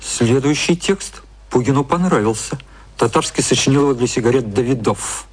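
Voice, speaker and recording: A man narrating a literary radio play in a measured storytelling style. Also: mid-range voice, animated, slightly rough.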